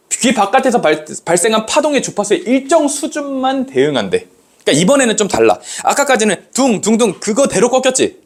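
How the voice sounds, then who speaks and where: A man teaching a classroom lecture, acting out rhythms with sound effects and checking often that students follow. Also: sits high. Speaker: Korean language tutor. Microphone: recorded lecture.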